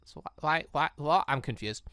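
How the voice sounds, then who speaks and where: A man hosting a gaming channel, giving animated let's-play commentary with exclaimed reactions. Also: a little high, normal speed, no room sound, clean studio sound. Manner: animated, exclaiming reactions between read lines. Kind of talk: let's-play commentary, reading game dialogue aloud.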